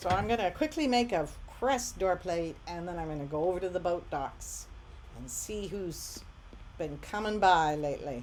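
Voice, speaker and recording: A woman with a Canadian accent speaks at a moderate pace, fairly low in pitch, using lively intonation and vocal fry. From western Canada. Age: 60s. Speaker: gaming streamer. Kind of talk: gameplay commentary. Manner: animated.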